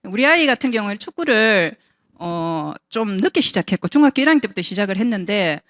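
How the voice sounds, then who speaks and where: A woman in her fifties shares her own story with a seminar audience, her pitch rising and falling a lot as she talks. She speaks conversationally, often checking in with the listeners through rhetorical questions. The sound is dry and close, with little room around it. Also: animated, quick pace, fairly bright tone, dry recording. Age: 50s. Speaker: invited speaker at a business seminar. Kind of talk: personal testimony talk to an audience.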